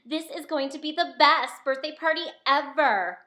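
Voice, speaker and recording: A woman's voice: high voice, normal speed, bright, forceful tone, voice pushed up. A woman voicing a boastful, excluding schoolgirl in a children's picture book, announcing in a smug way. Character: boastful, excluding middle-school girl on the bus.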